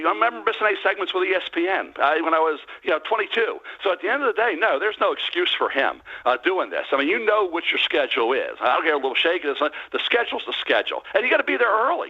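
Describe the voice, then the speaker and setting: A man in his sixties calling into a sports radio show over a landline phone, giving blunt, emphatic opinions in quick bursts. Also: sits high, sing-song, husky. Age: 60s. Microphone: landline telephone. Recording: dull lo-fi phone line.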